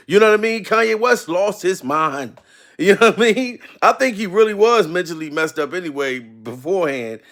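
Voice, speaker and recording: Laid-back gravelly man in his forties. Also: high-pitched, a bit bright. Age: 40s. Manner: loose, laughing, profane, repeats "you know what I mean". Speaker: commentator. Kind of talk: casual reaction commentary.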